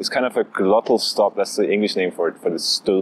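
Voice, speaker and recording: A man speaks with a Danish accent in a dry, close sound with no echo. Noticeable background noise runs underneath. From Denmark. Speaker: language teacher. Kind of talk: tutorial.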